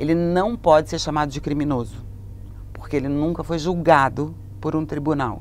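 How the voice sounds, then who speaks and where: A woman's very deep, low pitch at a moderate pace, with ordinary pitch variation and audible room echo. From Rio de Janeiro, Brazil. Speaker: journalist and author. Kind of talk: interview. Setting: studio. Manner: halting.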